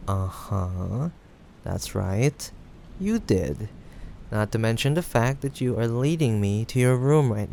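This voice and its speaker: A man acting a caring, teasing young guy friend in an intimate audio roleplay. His voice has a gravelly fry and he takes his time, with hesitant pauses. Light noise and rain sit behind him. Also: medium pitch, full character voice. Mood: playful teasing. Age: young adult. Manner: halting, hesitant, with sighs and soft chuckles. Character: teasing, affectionate young male friend, awkward but caring. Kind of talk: improvised intimate audio roleplay addressed to the listener. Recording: steady background noise, rain ambience. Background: rain sound effects.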